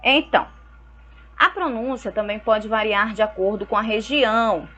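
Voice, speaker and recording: A woman's voice: on the high side, bright, forceful tone, muffled recording. Patient Brazilian woman teacher. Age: young adult. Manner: slow, patient explaining with frequent checks like "ok?". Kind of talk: recorded school lesson.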